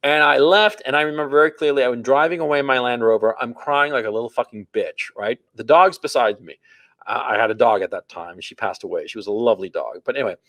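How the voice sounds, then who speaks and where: A man in his forties, a podcast host, telling a story and giving dating advice in a blunt, crude, animated way. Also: mid-range voice, fast talker, no echo. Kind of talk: casual dating-advice talk.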